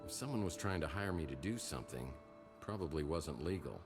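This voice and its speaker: An actor playing a weary, wry middle-aged private detective in a noir adventure game, with a dry wisecracking delivery and music behind him. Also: male voice, rumbling low, lively intonation, brisk.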